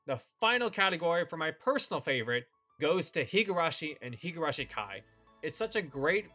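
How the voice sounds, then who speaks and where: A man with a fairly high, very bright and forward voice hosts a review video. He reads prepared commentary in a measured, presenter-like manner. Music plays behind his voice. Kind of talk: scripted review narration. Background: background music.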